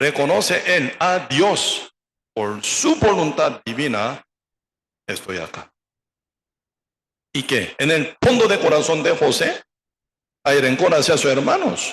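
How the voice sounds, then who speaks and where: A man speaks at a very slow pace. Long, frequent pauses break up his words. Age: 50s. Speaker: pastor. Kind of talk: sermon.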